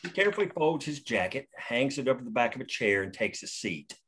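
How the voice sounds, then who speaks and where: A man reading screenplay stage directions at a table read in a steady, matter-of-fact way. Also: medium pitch, a little fast, slightly rough. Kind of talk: reading screenplay action lines.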